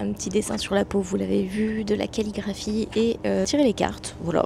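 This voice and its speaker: A woman whispers, soft-spoken, at a moderate pace. Noticeable background noise runs behind her. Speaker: booktuber vlogger. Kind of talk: casual vlog. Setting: on a bus. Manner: whispering, soft-spoken.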